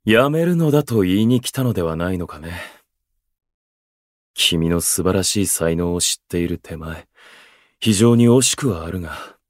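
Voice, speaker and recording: Low-voiced, pompous theatrical gentleman. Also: no echo, studio quality. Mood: coolly courteous. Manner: pompous, florid, unhurried speech. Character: theatrical, aloof male station worker, eloquent observer. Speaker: voice actor. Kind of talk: Japanese voice drama acting.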